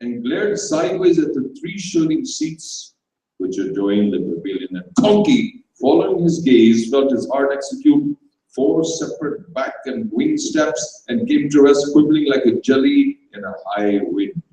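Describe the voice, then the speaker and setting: A man giving a dramatised, measured reading of a comic short story in an indoor venue. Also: medium pitch, very animated, warm tone. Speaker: story reader. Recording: very echoey room, distant microphone.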